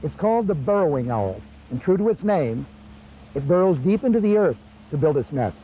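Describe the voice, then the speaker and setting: A man's voice: a little high, very animated, brisk, slight background noise. A man hosting a television nature documentary, reading scripted introductions. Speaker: television show host. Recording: dull lo-fi sound with music.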